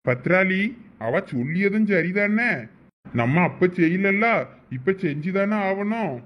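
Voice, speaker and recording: Cartoon elder brother acted by a man: high voice, placating and reasonable, Thoothukudi Tamil dialect. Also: animated, unhurried, highs cut off. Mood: reproachful. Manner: coaxing, reasoning. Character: placating, patient husband and generous older brother. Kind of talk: dialect cartoon family comedy dialogue.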